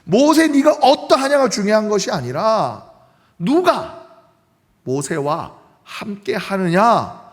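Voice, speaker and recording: A male pastor preaching a sermon in church, animated and often putting questions to the congregation. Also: sits high, takes it slowly. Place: church sanctuary. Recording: long reverb of a church sanctuary.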